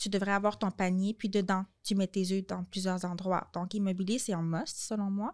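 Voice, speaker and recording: A woman with an ordinary speaking voice and medium pitch talks at a moderate pace with fairly even intonation, in a dry, close, echo-free recording that is very clean with a silent background. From Montreal, Quebec. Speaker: tax lawyer and real estate investor. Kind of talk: casual chat.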